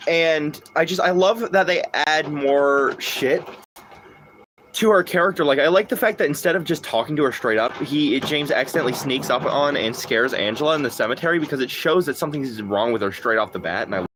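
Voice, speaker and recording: A young man live-streaming a game, chatting casually, swearing and getting excited. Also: slight background noise. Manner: profane, excitable, quick swings in pitch. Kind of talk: casual live-stream chat while gaming.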